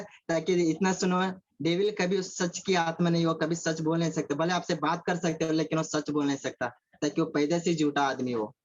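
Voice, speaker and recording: A man preaching a sermon over a video call, repeating phrases, asking his listeners questions and mixing in English words. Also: sits high. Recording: dull lo-fi call audio.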